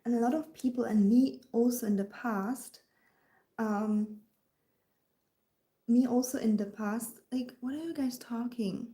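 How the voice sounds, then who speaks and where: A woman's voice: fairly high pitch, measured pace, long pauses, dark tone, roomy sound. A woman with a German accent, a dating coach talking casually to viewers on a live stream, often dropping into a whisper and answering comments as she goes. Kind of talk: livestream talk to viewers.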